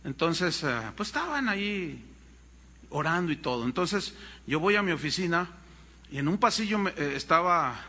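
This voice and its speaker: A pastor with a Mexican accent preaching a sermon, telling stories with animation and calling the congregation brothers. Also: male voice, on the high side, big pitch swings, moderate pace, sharp tone, in a large hall.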